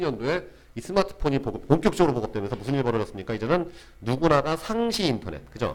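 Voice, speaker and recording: Very wide pitch swings mark a man's speech, which comes at a very fast speed. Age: 40s. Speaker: sales lecturer. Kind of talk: online lecture. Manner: animated.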